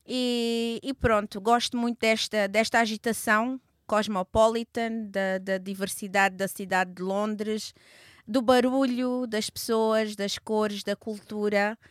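Woman, 30s, from Portugal; mid-pitched, hesitant interview guest full of fillers, dry close mic. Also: level tone, takes it slowly, no room sound. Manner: hesitant, with many fillers and restarts. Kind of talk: conversational interview.

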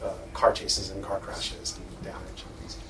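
A man's voice: low-pitched, completely flat delivery, normal speed, sharp tone. A man interpreting on a panel, hesitant and full of fillers. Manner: hesitant, many fillers and restarts. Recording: echoey room, distant mic, faint noise.

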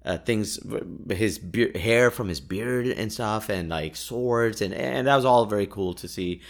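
Casual travel tales come from a young podcast host who is a native Urdu speaker, his talk peppered with fillers, restarts and laughs. His voice is lowish and unhurried.

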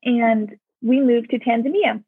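A young woman from South Africa, a podcast guest, telling her life story in a relaxed, unhurried way. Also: fairly high pitch, slightly rough, no echo. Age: young adult. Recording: tinny, dry call-in line.

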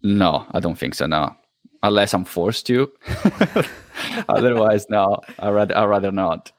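Halting Italian man with a hybrid accent. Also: fairly low pitch, no room sound. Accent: Italian, mixed with New Zealand English. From Italy. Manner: halting, searches for words, many restarts. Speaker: guest, podcast host. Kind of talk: casual interview.

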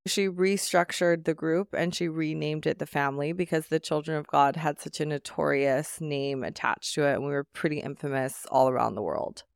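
A woman in her thirties, an interviewee reflecting on her past in a calm, measured, storytelling way. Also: low-pitched, creaky, smooth, dry recording, studio quality. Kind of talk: casual interview.

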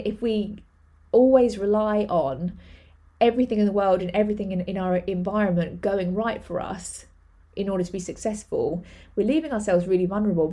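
Mellow-voiced woman giving motivational talk. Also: mid-range voice, husky. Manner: earnest, chatty, many fillers and repeats. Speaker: podcast host, entrepreneur. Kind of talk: motivational monologue.

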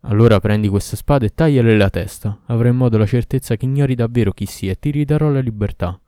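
A man voicing a cruel, furious male demon who shouts accusations and orders in a storybook reading. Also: mid-range voice, fast talker, clean tone, no room sound, clean studio sound, natural voice. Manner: loud, commanding, accusing.

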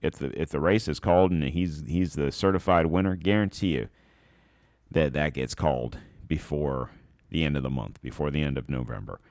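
A man's voice: extremely low pitch, normal speed, darkish tone, no room sound, studio quality. A man hosting a podcast, giving blunt, sarcastic political commentary in a rambling way with many fillers, a little stuffed up. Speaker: podcast host.

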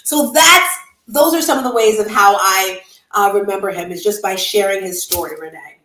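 A woman's voice: medium pitch, moderate pace. Heartfelt middle-aged woman in an echoey room. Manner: earnest and heartfelt, with sudden lively outbursts. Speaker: guest, bereaved mother. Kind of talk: emotional storytelling in conversation.

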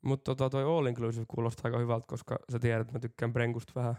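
A man's voice: medium pitch, level tone, a little mellow. A middle-aged man co-hosting a casual podcast, dry and blunt, swearing freely. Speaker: podcast co-host. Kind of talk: casual chat.

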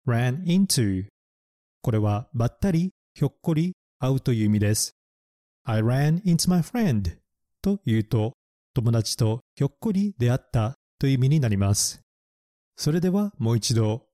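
A man narrating a bilingual lesson, explaining English words slowly and spelling them out letter by letter. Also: medium pitch, dark tone, no echo, clean studio sound.

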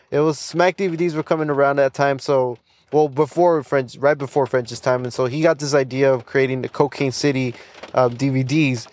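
A man's voice: medium pitch, darkish tone. A young man hosting a casual solo podcast, loose and rambling with plenty of fillers, restarts and small laughs. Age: young adult. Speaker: podcast host.

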